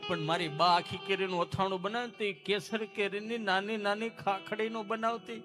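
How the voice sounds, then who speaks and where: A man tells comic folk stories in a fairly high voice. He is animated, jumps into character voices and bursts into loud exclamations. Music plays steadily underneath. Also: moderate pace. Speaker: comedian. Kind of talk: Gujarati folk comedy storytelling.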